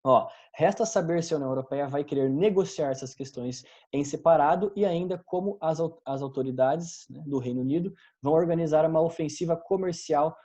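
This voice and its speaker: Brazilian guy teaching class, mellow warm voice, lots of fillers, keeps fixing himself and asking the students stuff. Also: a little high, brisk, hardly any pauses, lo-fi sound. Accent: Brazilian Portuguese. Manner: conversational, many fillers and self-corrections, addresses students directly. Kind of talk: recorded class lecture.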